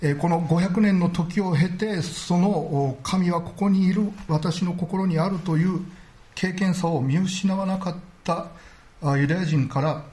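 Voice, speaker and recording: Earnest pastor with a slightly high voice. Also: male voice, darkish tone. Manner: measured, earnest preaching with frequent filler words. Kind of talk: sermon.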